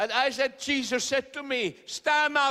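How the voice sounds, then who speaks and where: Raised and projected, a man's extremely high, bright, sharp voice moves at a very slow pace. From China. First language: Chinese. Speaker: preacher. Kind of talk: sermon. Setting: church stage with audience. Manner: loud.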